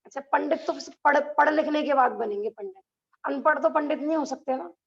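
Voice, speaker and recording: A woman with a high, gravelly voice leads a religious class. She keeps turning to her listeners with rhetorical questions and laughs between her points. The recording sounds dull and lo-fi. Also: brisk. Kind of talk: lecture to a class.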